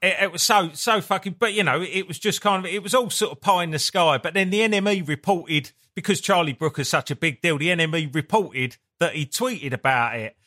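Male interview guest, Essex accent, slightly high and bright voice, loose rambling delivery, colloquial and sweary. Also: a little fast, few pauses. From Essex, England. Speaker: guest, punk band singer. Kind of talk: casual interview chat.

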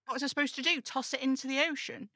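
A woman's voice: sits high, fairly even intonation, quick pace, creaky, pushed and bright, breathy edge, no room sound, clean studio sound, heavily acted. A woman playing a burdened, defiant young male broadcaster in an audio drama table read, snappish and sarcastic. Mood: sarcastic, guarded.

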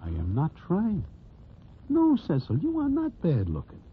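An actor playing a wry Broadway narrator in a 1940s radio drama, speaking formally, without contractions. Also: male voice, high voice, huge pitch swings, unhurried, slight background noise, exaggerated voice. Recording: tinny old radio broadcast with music.

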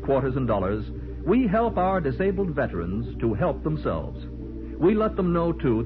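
A man announcing in formal, emphatic, scripted 1940s radio style on a muffled vintage broadcast. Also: mid-range voice.

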